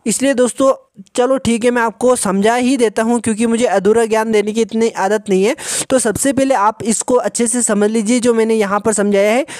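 A man patiently explaining a phone repair step by step in a tutorial voice-over, often pausing to check in with the viewer. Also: very high-pitched, a little mellow, no echo, clean studio sound. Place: voice-over over a drawn circuit diagram.

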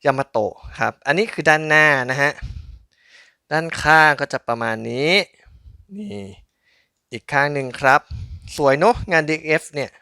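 A man with a bright, forward voice, recorded close and dry. He talks casually and politely as an unboxing host, thinking aloud as his hands work through the task. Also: mid-range voice, no echo. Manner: polite, chatty, thinking aloud while handling objects. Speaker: host of a collectible toy unboxing channel.

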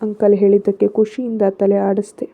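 Woman telling a story in first person, flat even voice, thin phone-like sound. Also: mid-range voice, moderate pace, gravelly.

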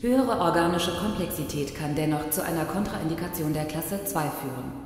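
A woman plays a principled female archive machine in a sci-fi radio play. It speaks in a lowish voice, formal and admonishing, as the conscience of its swarm. The sound is drenched in echo. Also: animated, fairly quick. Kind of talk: science fiction radio play acting. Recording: heavy echo and reverb, faint music.

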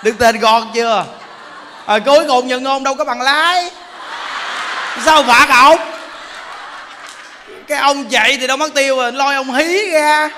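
Man, Southern Vietnamese accent, monk's humorous dharma talk, high pitched, echoey hall, faint noise. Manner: joking storyteller, swings between loud exclaims and low asides. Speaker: Buddhist monk teacher.

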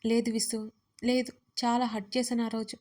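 A woman voicing an emotional young woman in an audio story, speaking softly and with heartfelt feeling. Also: a little high, little pitch movement, normal speed, close to an everyday voice. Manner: soft, tearful, heartfelt.

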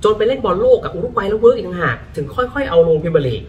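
A man talking about football in a casual, lively way, often breaking into exclamations. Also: high-pitched, rapid-fire, recorded from a distance, highs cut off. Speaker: football pundit. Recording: voice a bit off-mic, faint music behind.

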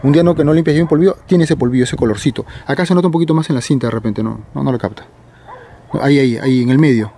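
Racing along in a dark, medium-pitched voice, a middle-aged man from Peru casually narrates his vlog while exploring a hillside cemetery at night. He hesitates and repeats himself often, and the outdoor night camera audio is noisy.

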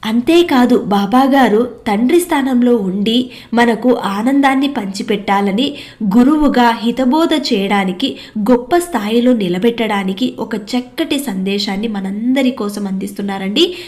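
A woman gently and earnestly narrating a devotional story, greeting listeners respectfully. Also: on the high side, moderate pace.

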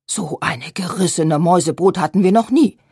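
A woman voicing an agitated, scolding old grandmother in an audiobook, with a low, breathy voice. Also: moderate pace, a little mellow, dry recording, clean studio sound. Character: scolding old grandmother, loud and sharp-tongued.

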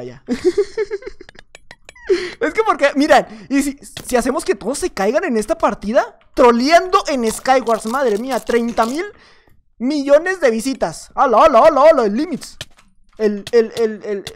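High-voiced guy commentating games, playful, rambling. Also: big pitch swings, normal speed, fairly bright tone. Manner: rambling, joking, playful self-talk with exclamations. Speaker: gaming YouTuber. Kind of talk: gameplay commentary.

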